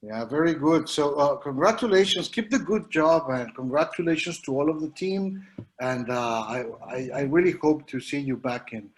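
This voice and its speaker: Earnest Mexican man, halting speech. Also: fairly high pitch. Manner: earnest, halting, frequent restarts. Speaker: educator panelist. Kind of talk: online panel discussion.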